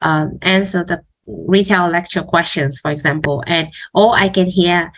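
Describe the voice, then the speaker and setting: A woman's voice: on the low side, fairly even intonation, unhurried, poor audio. A woman test coach talking casually in a question-and-answer discussion, hesitantly, often repeating words as she goes.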